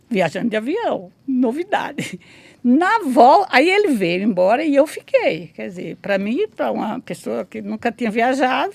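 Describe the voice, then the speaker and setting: A woman's voice: fairly high pitch, gravelly, a little mellow, dry recording. A woman in her sixties telling her life story in a casual interview, rambling with many restarts and tag questions. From Brazil. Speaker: interview guest, memoirist.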